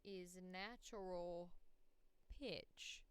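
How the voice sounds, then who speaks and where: A woman's voice: lowish voice, extremely slow, smooth, no echo. A woman voice actor hosting a casual livestream, sweary and self-deprecating, with a slightly tired voice.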